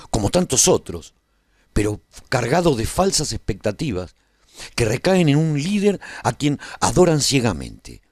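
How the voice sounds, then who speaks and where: A man playing an earnest, reflective narrator of a radio serial, telling his own story of life at a royal court in a measured, solemn, dramatic delivery. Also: medium pitch, darkish tone, no echo, clean studio sound.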